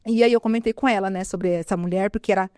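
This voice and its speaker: A Brazilian woman recounts her life story as an interview guest, animated, often slipping into the voices of the people in it. She talks quickly in a middle pitch. The sound is close and dry, with no room around it. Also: no room sound. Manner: animated storytelling, quotes others' speech. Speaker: guest sharing testimony. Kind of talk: emotional personal testimony.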